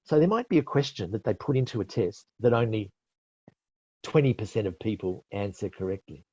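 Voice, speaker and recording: Brisk and expressive, his low-leaning voice has a darkish, slightly rough tone with no room sound. The speaker is a middle-aged Australian IELTS expert teaching a webinar and answering questions, patient in explaining, correcting himself often, full of fillers. Audio from his webinar call mic is dull and lo-fi.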